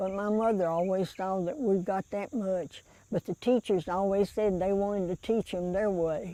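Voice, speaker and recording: A woman with a Southern Appalachian accent speaks at a fairly slow pace in a dark, mellow, medium-pitched voice with ordinary pitch variation. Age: 80s. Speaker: oral history interviewee, elder. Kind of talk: oral history interview answer.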